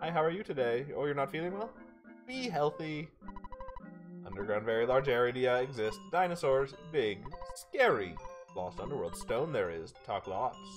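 Someone does a put-on character voice in a low-to-middle pitch at a moderate pace, with long, frequent pauses. Clear music plays in the background. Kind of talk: comic game-dialogue reading. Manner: broken, simple phrasing, eager.

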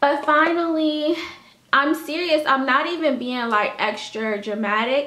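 A woman's raised, projected voice at a fairly slow pace, with ordinary pitch variation and audible room echo. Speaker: hair vlogger. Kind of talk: casual vlog chat. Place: home room. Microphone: phone near.

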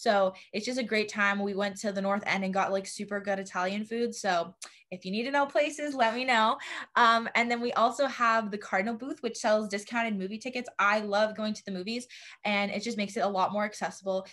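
Against a quiet background, a woman with a fairly high pitch and a bright, sharp tone talks at a fairly quick pace with fairly even intonation. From Hawaii. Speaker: resident assistant and pharmacy student. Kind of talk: presentation. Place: home room. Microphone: video call.

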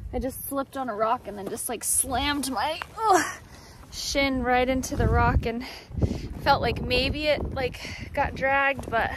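At a fairly slow pace, a woman with a high pitch keeps a fairly even intonation in a dry sound with no echo, with noticeable background noise behind her. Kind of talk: casual vlog chat. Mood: cheerful, laughing. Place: open country. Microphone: phone near.

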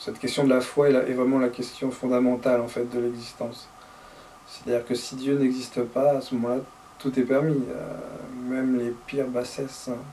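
Light background noise runs under the recording. A man speaks with monotone, flat intonation. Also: moderate pace. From France. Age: 30s. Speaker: YouTuber and independent journalist. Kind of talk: personal testimony monologue. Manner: halting, many hesitations and repetitions. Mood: earnest, calm. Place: home room. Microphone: camera far.

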